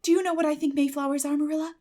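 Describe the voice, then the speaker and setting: A woman's voice: high-pitched, little pitch movement, racing, mellow, voice pushed up, close to an everyday voice. A woman voicing a dreamy, dramatic young schoolgirl in an audiobook, effusive and earnest. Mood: rapturous.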